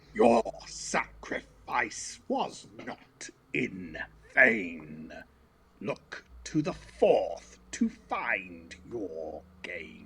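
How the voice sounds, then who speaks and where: A man performs in a put-on character voice. His pace is very slow. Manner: harsh, ominous.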